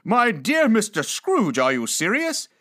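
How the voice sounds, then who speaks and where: A man performs a portly old gentleman from a storybook. He is kindly and flabbergasted, his raised voice swinging widely as he stammers and exclaims. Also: high-pitched, very animated, a little slow, pitched above the performer's own voice, full character voice. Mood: astonished.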